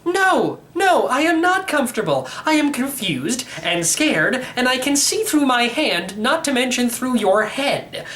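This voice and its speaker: Man playing an anxious boy, pitched high. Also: sing-song, a little slow, few pauses, fairly bright tone, slight background noise, exaggerated voice. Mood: exasperated, scared. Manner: fretful, questioning. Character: anxious, bewildered young boy questioning his uncle. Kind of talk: storybook character reading.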